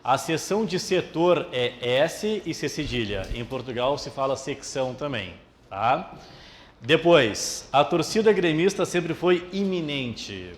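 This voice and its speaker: A man teaching Portuguese for a public exam, speaking warmly and directly to his students. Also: on the high side, expressive, measured pace, a little hiss or hum. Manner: friendly, addresses the audience as "pessoal". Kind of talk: exam-prep lesson.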